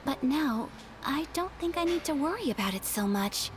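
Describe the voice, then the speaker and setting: A woman voicing a gentle, polite young noblewoman in a video game, soft-spoken and formal. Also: high-pitched, animated, moderate pace. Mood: earnest. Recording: game audio with background music.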